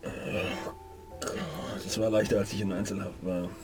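A man playing a gruff, irritable ex-soldier convict in his forties who talks curtly and sarcastically while roleplaying. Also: deep voice, flat delivery, moderate pace, music in the background, natural voice. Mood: sarcastic. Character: gruff 45-year-old male ex-soldier convict. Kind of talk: in-character roleplay.

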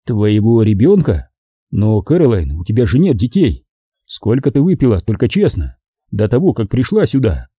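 A man reading an audiobook, voicing a wry male bookseller with slow deadpan replies. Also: lowish voice, breathy edge, no echo.

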